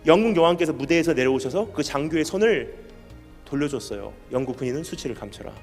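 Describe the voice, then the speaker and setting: A man preaching a sermon as a missionary at a special church meeting. He keeps asking the congregation questions and swings from loud emphatic bursts to quiet, low lines. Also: animated, quick pace, in a large hall, soft background music. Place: church hall.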